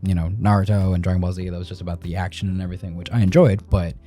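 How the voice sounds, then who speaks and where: Male podcast host, warm lowish voice, talkative and easygoing, conversational delivery. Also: steady tone, very fast, faint music behind. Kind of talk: casual podcast chat.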